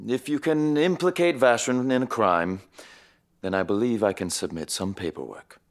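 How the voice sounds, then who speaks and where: An actor playing a formal, kindly alien elder and diplomat in a sci-fi audio drama, speaking in a measured way. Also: male voice, medium pitch, close to an everyday voice. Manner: measured, formal, uncontracted speech.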